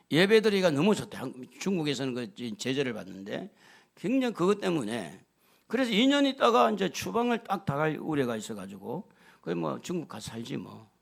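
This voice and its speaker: A man preaching a sermon as pastor, telling stories with acted-out dialogue and swinging from loud exhortation to hushed near-whispers. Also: a little high, creaky.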